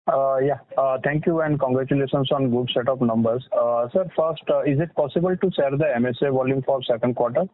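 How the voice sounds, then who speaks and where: Halting male analyst on the phone. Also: mid-range voice, no room sound. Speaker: financial analyst asking questions. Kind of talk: earnings call questioning. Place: telephone conference call. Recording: dry, narrow phone line.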